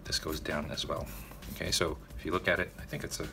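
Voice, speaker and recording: Low-voiced man talking through a drawing. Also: level tone, quick pace, creaky. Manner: casual, addresses viewers directly, frequent "okay?" check-ins. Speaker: drawing tutorial host. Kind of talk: narrated step-by-step drawing tutorial.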